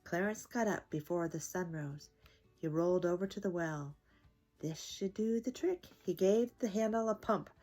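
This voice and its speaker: A woman's voice: on the low side, normal speed, mellow, faint music behind. An older woman hosting a children's story time, reading aloud expressively to young listeners.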